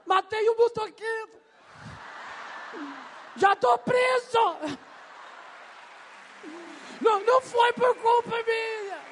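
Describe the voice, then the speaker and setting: A man voicing a panicked little male songbird trapped in a cage, shouting and pleading frantically. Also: extremely high pitch, fairly even intonation, takes it slowly, a faint crowd, a little hiss or hum, pitched above the performer's own voice, full character voice. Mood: frantic. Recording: long hall reverb.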